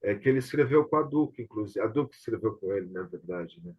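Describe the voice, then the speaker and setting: Husky male voice, Brazilian accent, conversational host, hesitant, confirmation-seeking, muffled online-call sound. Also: fairly low pitch, lively intonation, fast. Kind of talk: casual conversation about theatre and television. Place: remote online video session.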